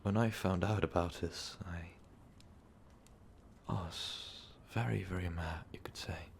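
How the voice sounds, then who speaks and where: A man voicing an ancient, brooding, power-hungry vampire overlord in an ASMR roleplay, talking haltingly and often slipping into whispers. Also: deep voice, steady tone, vocal fry, slight background noise, full character voice. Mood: cold, menacing. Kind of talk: ASMR roleplay monologue, intimate storytelling.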